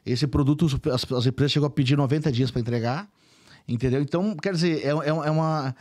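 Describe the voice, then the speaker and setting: Male guest, 40s, faint southern Brazilian accent with São Paulo touches, somewhat high voice, halting chatty delivery. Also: a little mellow. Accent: mixed Brazilian Portuguese, gaúcho with São Paulo traces. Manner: hesitant, many restarts and tag questions. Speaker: company CEO, podcast guest. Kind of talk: casual interview talk.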